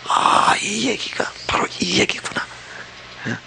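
A man preaching a sermon, asking the congregation constant rhetorical questions and dropping from loud emphasis to hushed asides. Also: high-pitched, sing-song, slow pace, vocal fry, slight background noise. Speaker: pastor.

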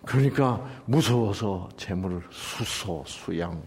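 A man's voice: low voice, lively intonation, slow, vocal fry, a little hiss or hum. A man teaching a Bible passage as a sermon, often asking and answering his own questions, with sudden drops into whispers. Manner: rhetorical questions and answers, swings from loud to whispered. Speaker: pastor.

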